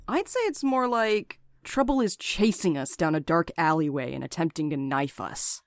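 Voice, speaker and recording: A woman's voice: sits low, animated, normal speed, no room sound. A woman playing a combative, sarcastic courier with a short fuse in an audio drama, blunt and biting in manner.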